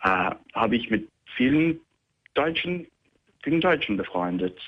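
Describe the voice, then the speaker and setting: Speaking at a fairly slow pace, a man with an English accent uses very wide pitch swings. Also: medium pitch for a man. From England. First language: English (speaking German). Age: 20s. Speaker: caller, university student. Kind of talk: call-in radio conversation. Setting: phone call. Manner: halting, many fillers.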